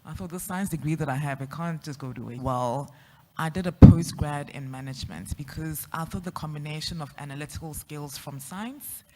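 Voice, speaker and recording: A woman with a South African accent, an outgoing panelist sharing her career journey with quick laughs. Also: low-pitched, noisy background. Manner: extroverted, lively, quick to laugh. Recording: echoey hall.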